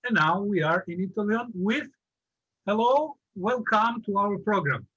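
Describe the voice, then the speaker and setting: A man hosting an online video-call interview, with a high and bright but husky voice. He speaks slowly, in broken, halting phrases. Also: animated, dull audio. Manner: slow, broken phrasing, non-native. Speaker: interview host.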